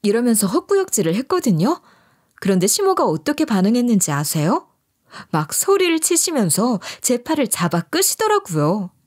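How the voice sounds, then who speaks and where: A woman's voice: on the high side, sing-song, normal speed, a little mellow. A woman narrating her own story in the first person, emotional and confiding.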